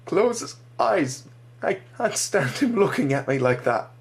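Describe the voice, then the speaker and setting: A man's voice: medium pitch, moderate pace, natural voice. A man voicing a grief-stricken young man whose cries are raw and pleading. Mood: anguished.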